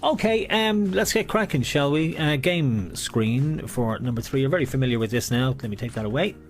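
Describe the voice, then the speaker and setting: A man's voice: mid-range voice, lively intonation, moderate pace, soft background music. A man working as a bingo caller and host, chatting jokily to players and calling numbers with playful nicknames, often repeating himself.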